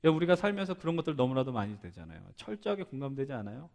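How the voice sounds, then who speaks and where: A man's voice: medium pitch, very animated, rapid-fire, a little mellow, big-room sound. A man preaching a sermon to a young congregation, asking them many questions and acting out the pleas of prayers. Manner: rhetorical questions to the congregation, dramatic quoted prayers. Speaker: pastor. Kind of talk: sermon to a young adults' service.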